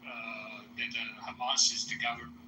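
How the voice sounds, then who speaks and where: A man speaking as a call-in panelist in a live online debate, halting with restarts while his call audio breaks up. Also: medium pitch, level tone, pushed and bright. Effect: choppy online call audio, breaking up. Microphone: remote call connection. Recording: echoey distant noisy call audio.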